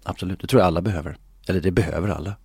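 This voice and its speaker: A middle-aged man in a reflective interview, musing philosophically and often pausing with filler sounds. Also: low voice, vocal fry, a little mellow, husky, no echo, clean studio sound. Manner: hesitant, many filler sounds. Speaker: interview guest. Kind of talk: reflective conversation.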